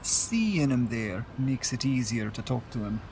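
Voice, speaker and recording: A man acting in an audio drama as a devout, reassuring Irish Catholic mourner, explaining things gently in a conversational way. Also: medium pitch, very animated, measured pace, vocal fry, noisy background. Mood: reassuring, fond.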